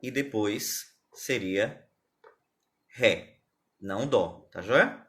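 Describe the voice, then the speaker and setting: A man's voice: lowish voice, animated, extremely slow, fairly bright tone. Male music teacher, live stream lesson, patient and step by step, quizzes the chat. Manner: patient, explains step by step, asks viewers questions.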